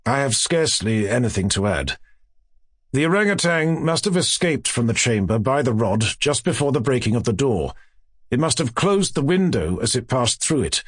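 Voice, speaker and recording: Male audiobook narrator for classic fiction: formal, highly varied intonation, very dry recording. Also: big pitch swings, moderate pace, dry recording.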